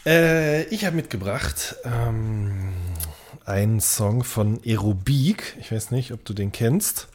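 Man, low voice, casual conversational style, podcast co-host, repeated quick affirmations. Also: a little mellow. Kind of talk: casual chat.

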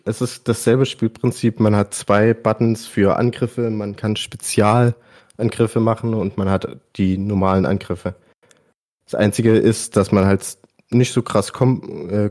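A man's voice: lowish voice, fairly even intonation, unhurried, a little mellow. A man chatting casually and informally about video games as a podcast guest, using youthful slang. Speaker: podcast guest presenting his favourite games.

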